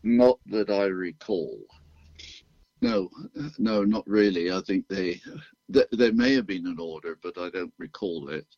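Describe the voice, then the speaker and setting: An older man with a British accent, a retired physician chatting as a radio guest in an unhurried, self-deprecating way with dry humor. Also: low-pitched, a little mellow, no echo, lo-fi sound. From United Kingdom. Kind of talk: relaxed radio interview chat.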